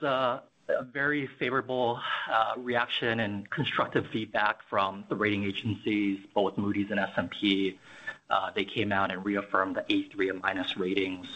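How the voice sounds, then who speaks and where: A man's voice: fairly low pitch, flat delivery, normal speed, sharp tone. A man speaking as a company finance executive, giving unscripted answers to analysts on an earnings call. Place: conference call. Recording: dull, band-limited conference call audio.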